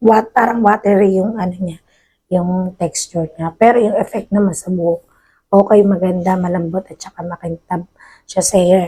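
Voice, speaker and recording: A woman speaks in a dark, mellow tone at a medium pitch, somewhat breathy. Her intonation stays fairly even. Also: moderate pace, big swings in loudness. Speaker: beauty vlogger. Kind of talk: product review. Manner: halting.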